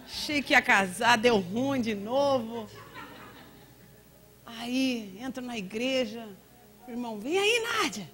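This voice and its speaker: A Brazilian woman pastor preaching in a church, telling a personal story with lively quoted dialogue. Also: a little high, takes it slowly, long pauses. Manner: storytelling with acted quotes and laughter. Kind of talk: testimony sermon.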